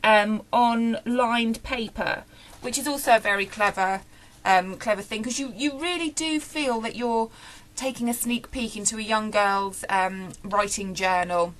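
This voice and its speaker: A young British woman giving a casual, unscripted book review, chatting and thinking aloud with pauses and self-corrections. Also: on the high side, a bit bright, low-quality recording.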